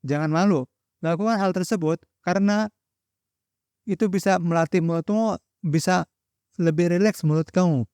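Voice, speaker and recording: Young male tutorial host from Indonesia; raised pitch, talks straight to the viewer like a friend, dry close sound. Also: moderate pace, long pauses, darkish tone, clean tone, no echo. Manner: direct, addresses viewer as friend, instructive. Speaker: content creator teaching public speaking. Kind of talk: scripted-sounding solo tutorial to camera.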